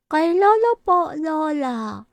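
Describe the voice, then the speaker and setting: A woman's voice: high-pitched, sing-song, takes it slowly, dry recording, heavily acted. A woman voicing a small frightened grandchild who pleads in a whiny voice. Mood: scared.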